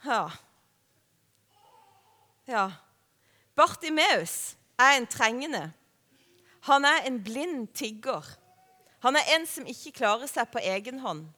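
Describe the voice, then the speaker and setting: A woman's voice: fairly high pitch, big pitch swings, pauses often. A woman preaching a sermon in a conversational way, often asking the listeners questions. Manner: conversational, warm-hearted preaching with rhetorical questions. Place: church hall. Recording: long hall reverb.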